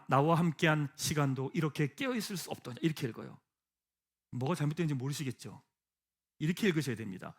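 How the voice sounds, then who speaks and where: A man preaching a sermon as pastor, asking the congregation rhetorical questions and leading them in reading scripture aloud. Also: a little high. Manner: rhetorical questions, swings from hushed to emphatic. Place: church sanctuary.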